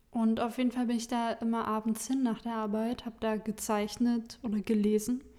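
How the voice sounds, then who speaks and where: Her pitch sits fairly high, and she speaks at a moderate pace. This woman's intonation is monotone and flat. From eastern Germany, Naumburg. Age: 20s. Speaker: podcast co-host, paralegal by training. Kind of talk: casual chat.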